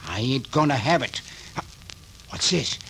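Gruff, dogged small-town mayor, blunt country speech, mid pitch, faint hiss, old radio play. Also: male voice, animated, unhurried, fairly bright tone. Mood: stubborn. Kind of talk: 1940s radio acting.

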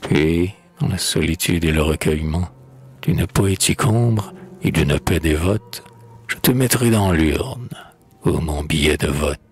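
A man's voice: a bass voice, a little slow, a little mellow, husky. A man giving a theatrical, declaiming recitation of verse, swinging between sudden rises and drops. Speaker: poetry reader. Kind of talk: dramatic poetry recitation.

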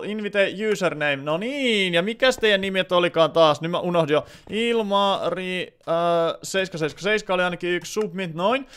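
A man streams a game live and talks loosely to his viewers. His voice sits fairly high and sounds smooth and resonant. He fills his sentences with hesitations and small filler words. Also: a bit bright. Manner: rambling, many filler words.

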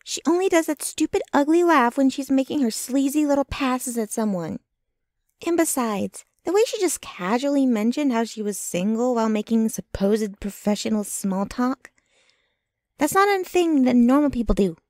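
A woman's voice: sits high, expressive, normal speed, a little mellow, no echo, clean studio sound. A woman playing a jealous, possessive, doting young girlfriend in an intimate, dramatic ASMR roleplay. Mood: jealous, indignant. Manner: intimate, dramatic, swinging between ranting and breathy murmuring.

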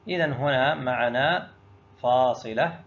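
A man's voice: mid-range voice, measured pace, a bit bright, muffled recording. A male teacher going through an exam review lesson, explaining each answer step by step and asking himself questions before answering them. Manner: addresses students directly.

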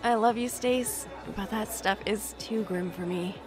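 A woman's voice: medium pitch, measured pace, a crowd in the background, natural voice. A woman in her twenties playing a reserved, overworked young office worker in an audio drama, with music behind her. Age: 20s. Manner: reserved, defensive, a little awkward.

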